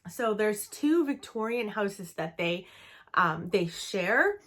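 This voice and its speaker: A woman's voice: medium pitch, expressive, takes it slowly, fairly bright tone. A young woman from Canada chatting casually about books she wants to read, rambling a little with fillers and self-corrections. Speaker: book vlogger. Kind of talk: casual book chat to camera.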